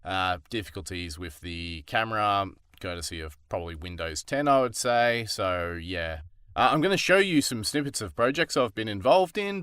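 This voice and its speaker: A man gives a casual vlog update as a voice actor. His voice is very low, with a dry, close sound. The delivery is conversational. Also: a bit bright, clear, resonant tone, no echo. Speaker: voice actor presenting his work.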